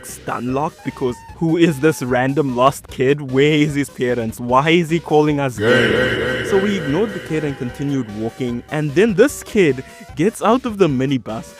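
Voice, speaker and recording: A young man from South Africa with a white South African accent, telling a storytime in a joking, animated way with big swings in pitch and loudness. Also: measured pace, faint music behind. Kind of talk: storytime narration.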